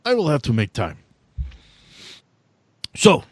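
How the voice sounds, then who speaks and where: Man playing a husky, formal vampire power broker. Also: fairly high pitch, huge pitch swings, no echo, exaggerated voice. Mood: courteous. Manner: formal, deliberate, avoids contractions. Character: courtly, shrewd old male vampire power broker with stiff formal speech. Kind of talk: in-character tabletop roleplay.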